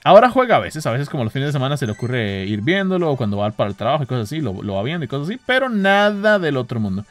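Excitable Costa Rican man gaming outdoors. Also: medium pitch, racing. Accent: Costa Rican Spanish. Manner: excitable, swearing, laughing at himself. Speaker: gaming vlogger. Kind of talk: casual commentary while playing. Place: outdoors walking near home in the early morning.

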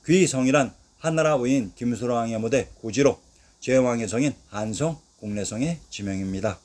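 A man narrating a scripted history lesson, reciting long lists of old place names in a steady, measured way with each list falling at its close. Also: mid-range voice.

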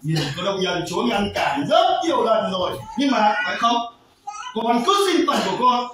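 A man preaches a sermon, his high voice leaping between soft asides and loud emphatic cries. He sounds distant from the mic. A long, booming echo fills the hall around him. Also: big pitch swings, normal speed, background noise. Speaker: pastor. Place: church hall. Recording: very echoey hall, voice from far off.

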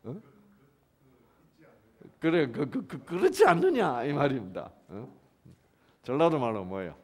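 A man's voice: mid-range voice, measured pace. A middle-aged man giving a church lecture on the Bible, questioning the audience and joking as he goes. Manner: lively, questions the audience, jokes and laughs.

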